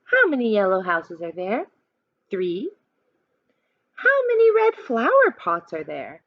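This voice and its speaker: A woman reading a children's picture book aloud like a teacher, expressive and questioning as she coaches young listeners through counting. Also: medium pitch, slow, no echo, muffled recording.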